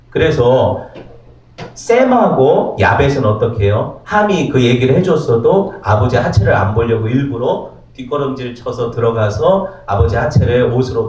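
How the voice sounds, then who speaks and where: Male pastor, sermon, animated questioning delivery; distant, dull, roomy church recording. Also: medium pitch. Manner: animated, asks the congregation many rhetorical questions. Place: church sanctuary.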